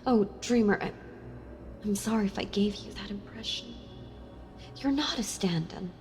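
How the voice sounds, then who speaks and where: In an audio role-play, a woman voices a sealed-away female villain who is wistful, softly seductive and enthralled, addressing the listener tenderly and earnestly with hesitant pauses. Her voice is lowish and warm, set against music with long reverb.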